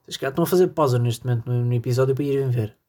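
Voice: medium pitch, very fast, mellow. A podcast host from Portugal, rambling jokily through a solo monologue and talking straight to the listeners. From northern Portugal. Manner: rambling, jokey, addresses listeners directly.

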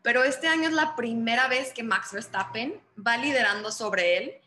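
A woman hosting a podcast in casual interview chat, chatty and quick to agree. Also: fairly high pitch, sharp tone, roomy sound, slight background noise. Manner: chatty, frequent agreeing backchannels and laughs. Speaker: podcast host.

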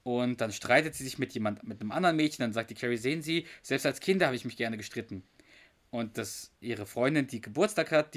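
A man co-hosts a casual podcast chat in a middle-pitched, ordinary voice. He retells scenes at length, slipping into quoted lines. He sometimes stalls and hunts for words. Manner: narrates scenes at length, quoting characters, with hesitations. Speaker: podcast co-host.

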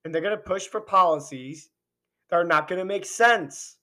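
A man's voice: high voice, moderate pace, sharp tone. A man hosting a podcast, giving an impassioned political monologue full of rhetorical questions while he is losing his voice. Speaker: podcast host. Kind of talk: opinionated political commentary monologue.

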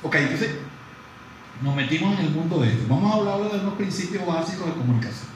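A man gives a live lecture in a large room, his fairly high voice caught from a distance by a room mic. The hall rings with strong echo, and a faint hiss sits underneath. He talks in a lively, conversational way and keeps asking the audience questions. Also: fast talker. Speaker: psychologist lecturing dentists. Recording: very echoey hall from far off, faint noise.

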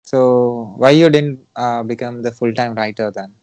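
A man interviewing an author, pausing often with fillers between words. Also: medium pitch, fairly even intonation, darkish tone, low-quality recording. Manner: hesitant, many fillers.

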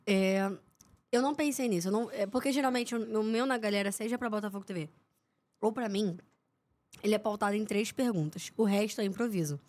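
A woman's voice: medium pitch, fairly quick. A young woman, a sports reporter telling anecdotes as a podcast guest and acting out what people said. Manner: lively storyteller who acts out the quotes of people in her stories.

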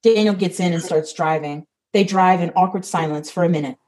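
A woman's voice: fairly low pitch, a little fast, darkish tone, rough recording. A woman reading the stage directions of a comedy script, matter-of-fact.

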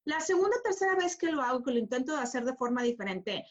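A woman's voice: sits high, sing-song, quick pace, dull audio. A woman giving a motivational coaching talk, emphatic and repeating phrases for stress.

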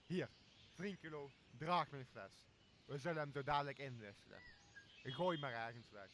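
A man's voice: medium pitch, normal speed, fairly bright tone, a little hiss or hum, lightly acted. A young man, a student actor in a radio play, playing a drunken, pompous, commanding lord of an island. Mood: merry, commanding. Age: young adult. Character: drunken, bossy, self-crowned male lord of an island. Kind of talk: amateur radio drama acting.

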